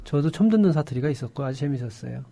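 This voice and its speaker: A man from North Korea, co-hosting and explaining briskly. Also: mid-range voice, animated, creaky, dark tone.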